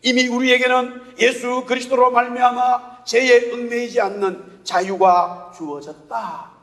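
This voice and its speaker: A male pastor with a Gyeongsang Korean accent preaching a sermon, telling stories lively and asking the congregation rhetorical questions. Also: extremely high pitch, unhurried. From Gyeongsang region, Korea. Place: church sanctuary. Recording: long church-hall reverb.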